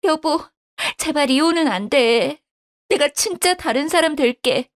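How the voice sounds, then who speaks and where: A woman voicing a scheming young daughter-in-law who begs and stammers in a shrill, whiny voice. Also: lively intonation, measured pace. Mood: pleading.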